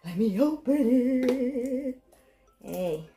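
A woman in her thirties chatting casually to viewers in a playful, animated, self-mocking way, recorded at home a step from the camera. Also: high-pitched, drawn-out words, soft background music. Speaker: vlogger. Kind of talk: casual chatty unboxing vlog. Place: room at home.

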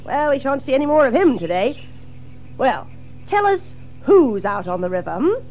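High, chuckling jolly water rat. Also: female voice, sing-song, moderate pace, mellow, highs cut off. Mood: genial, chatty. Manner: chuckling, ends phrases with "eh?". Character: genial, chatty, jolly water rat gentleman. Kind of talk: theatrical children's audio drama.

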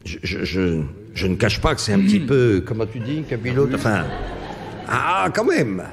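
A man's voice: mid-range voice, big pitch swings, moderate pace. A man posing word riddles to a live audience, reading clue words one at a time and bantering with the crowd between puzzles. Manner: reads clue words one by one, then chats and teases the audience.

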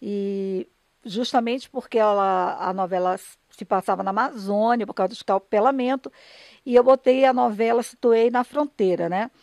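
Older Brazilian woman, interview guest. Gravelly fry in the voice, dry close sound, emphatic but conversational delivery. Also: medium pitch, moderate pace, darkish tone, no room sound. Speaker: radio drama writer and director, interview guest. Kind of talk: conversational interview, explaining her work.

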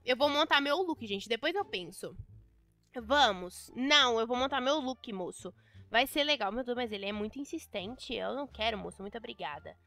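Bright high-voiced Brazilian woman gamer. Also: animated, moderate pace, dry recording, faint music behind. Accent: Brazilian Portuguese. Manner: chatty, dramatic, playfully exasperated. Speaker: gameplay youtuber. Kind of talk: casual gameplay commentary.

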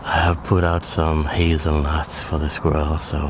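A Norwegian wildlife photographer in his thirties vlogs casually from a small forest blind, his extremely low voice flat and at normal speed against background noise. He sounds hesitant, full of fillers and restarts, and sometimes hushed.

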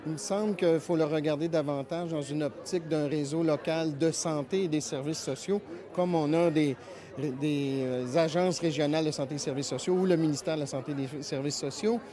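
A man in his fifties with a Quebec French accent, explaining his view at a conference in a measured, deliberate way. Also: fairly high pitch. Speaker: public health worker. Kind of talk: vox pop interview answer. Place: busy hotel conference hall. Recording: crowd chatter behind.

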